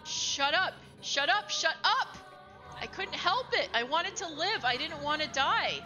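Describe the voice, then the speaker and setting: A man playing a tormented young man who shouts frantically and stammers. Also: very high-pitched, lively intonation, measured pace, soft background music, heavily acted. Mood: frantic.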